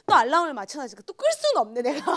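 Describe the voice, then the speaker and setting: Young woman preacher, high voice, very lively delivery, loud bursts and whispered asides, testimony sermon. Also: brisk. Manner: animated storytelling, swings between loud outbursts and hushed asides. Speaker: junior pastor.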